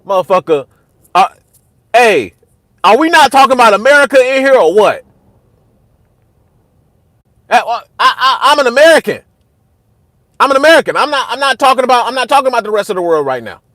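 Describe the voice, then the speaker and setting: A young man hosting a casual livestream, talking back to his chat in a heated, repetitive way that gets loud and high when he is worked up. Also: big pitch swings, a little fast, long pauses, no room sound, studio quality. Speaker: host.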